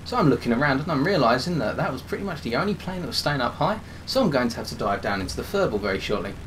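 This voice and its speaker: Male game commentator, mid pitch, slightly hoarse, explanatory, faint noise behind. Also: big pitch swings, racing, a bit bright. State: hoarse, losing his voice. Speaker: gameplay commentator. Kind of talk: game commentary over gameplay.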